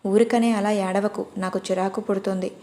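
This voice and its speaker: In an audio storybook, a wary young man talks in a curt, flat, gruff way, as a woman narrator puts him on. He fires off blunt questions. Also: medium pitch, fairly quick, close to an everyday voice. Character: stern young man, a wary rich host.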